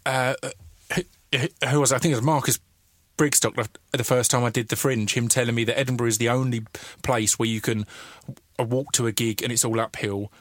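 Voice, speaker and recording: A man's voice: mid-range voice, fairly even intonation, a little fast, no echo, clean studio sound. A man hosting a casual chat, easygoing, stumbling over words and laughing along. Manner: easygoing, many restarts and stammers, laughs along.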